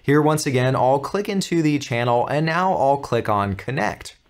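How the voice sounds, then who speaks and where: A man in his thirties with an American accent, hosting a step-by-step software tutorial in an upbeat, clearly articulated, instructional way. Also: mid-range voice, lively intonation, normal speed. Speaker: tutorial host.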